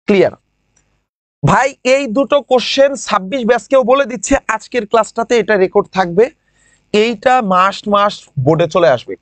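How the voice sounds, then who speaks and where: A young man from Bangladesh teaching a live online grammar class, repeating each question and answer and drawing out example words slowly, calling on students by name. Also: high-pitched, dry recording. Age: young adult.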